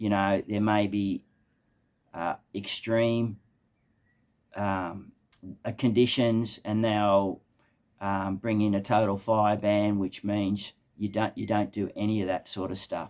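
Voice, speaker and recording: Relaxed in tone, a man with an Australian accent and a fairly low pitch speaks very slowly in a monotone, flat delivery with long, frequent pauses. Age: 60s. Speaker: lawn care business owner and vlogger. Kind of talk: casual vlog talk to camera. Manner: relaxed with frequent ums and uhs.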